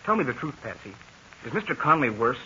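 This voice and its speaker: An actor playing an eager, earnest teenage boy sidekick in exclamatory 1940s radio style, with a husky voice. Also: mid-range voice, big pitch swings, quick pace, sharp tone, slight background noise. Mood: worried. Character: eager, wide-eyed teenage boy, aviator's loyal young sidekick. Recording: dull 1940s radio recording.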